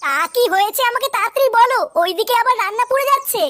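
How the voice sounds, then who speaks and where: A woman's voice: very high-pitched, racing, fairly bright tone. A woman voicing a nagging but protective village housewife in a comic cartoon dub, scolding and exclamatory. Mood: irritated.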